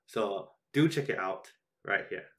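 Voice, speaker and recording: A man's voice: on the low side, expressive, unhurried, noisy background. A man talking casually to camera in a small room, introducing his vlog clip with chatty enthusiasm. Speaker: vlogger.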